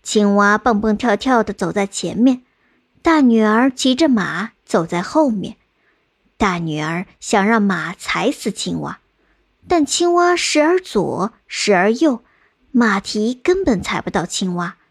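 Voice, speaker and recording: A woman reading a folk tale aloud in a calm, measured storytelling manner. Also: mid-range voice, slightly rough, dry recording, studio quality.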